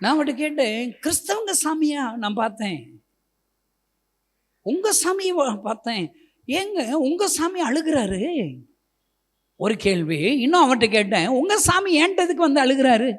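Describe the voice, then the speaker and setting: A male preacher, giving a revival sermon, moving from quiet storytelling to shouted appeals. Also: very high-pitched, sing-song, normal speed, pauses often. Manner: impassioned, swings from soft storytelling to shouted appeals.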